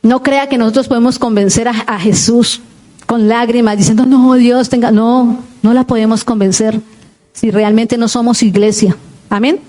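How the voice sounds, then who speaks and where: Woman pastor, high voice, preaches with fervor and keeps asking the congregation questions. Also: fairly even intonation, moderate pace, warm tone. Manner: fervent preaching with questions to the congregation and repeated amén. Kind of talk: sermon. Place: church.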